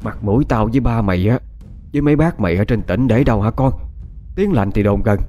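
An older mother, voiced by a male reader, scolds in a slow drawl. She sounds stern and calculating. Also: fairly low pitch, warm tone, close to an everyday voice. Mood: scolding.

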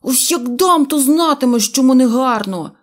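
A woman's voice: on the high side, lively intonation, a little mellow. A woman voicing a hot-headed little boy who loses his temper easily, in a storybook reading. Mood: angry. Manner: quick-tempered, blustering.

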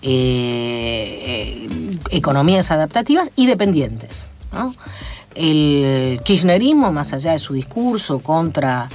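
A woman from Chile with a Chilean Spanish accent, a guest in a radio studio interview, talking in a measured, lecturing way full of fillers. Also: sits low, big pitch swings, darkish tone. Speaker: guest, academic commentator. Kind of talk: radio interview, analytical talk.

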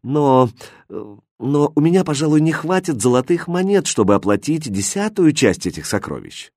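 Storybook princess, young, proud, indignant, shrill, man reading her raised voice, lively swings. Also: normal speed, dry recording, clean studio sound. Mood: wonder. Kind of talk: audiobook fairy tale reading.

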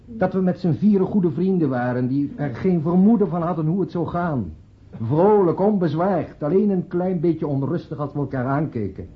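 An actor playing a sentimental man who speaks in a declamatory, measured way in a radio play. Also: fairly high pitch, lively intonation, natural voice. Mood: solemn, nostalgic. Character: man giving a solemn, sentimental graveside eulogy for a friend. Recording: dull, noisy old radio play recording.

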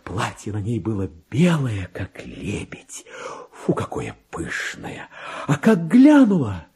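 An actor playing a lowly, self-important and excitable government clerk, delivering his diary as a theatrical radio monologue, with exclamations and hushed muttering in a husky voice. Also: slow pace, full character voice. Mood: rapturous, giddy. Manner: exclamatory, swinging from hushed muttering to shrill rapture. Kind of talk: theatrical dramatic monologue, diary read aloud.

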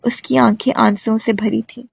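A woman narrating a novel as an audiobook, reading scenes with even storytelling. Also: fairly high pitch, creaky, husky. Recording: dry tinny phone-like recording.

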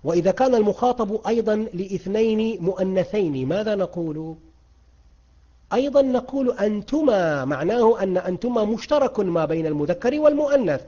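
Mellow-voiced Arabic grammar teacher. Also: male voice, high voice, expressive, fairly quick, muffled recording. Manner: asks students questions and praises their answers. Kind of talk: online grammar lesson.

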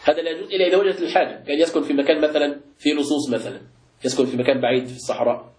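شيخ سريع الكلام بلهجة مصرية في قاعة درس. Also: male voice, on the high side, rapid-fire, darkish tone, echoey room. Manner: explains by asking the class and answering himself. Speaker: sheikh teaching a book class. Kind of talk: classroom lecture with questions.

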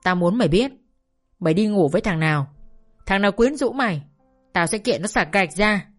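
A woman's voice: expressive, moderate pace, faint music behind, close to an everyday voice. A woman reading an audiobook, voicing a furious middle-aged mother who screams abuse at her daughter. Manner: shrill, raging, abusive scolding.

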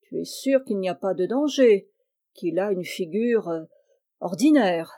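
A woman voicing a miserly, spiteful older woman in a storybook reading, scolding and sharp-tongued. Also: expressive, measured pace. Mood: haughty. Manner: scolding, shrill when angry.

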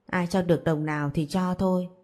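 Woman voicing a gentle old beggar woman. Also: fairly low pitch, fairly even intonation, brisk, close to an everyday voice. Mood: grateful.

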